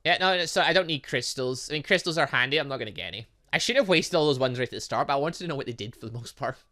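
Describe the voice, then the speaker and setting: A person giving casual let's play commentary on a game, rambling and thinking out loud as they go. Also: medium pitch, lively intonation, very fast. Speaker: gaming video host.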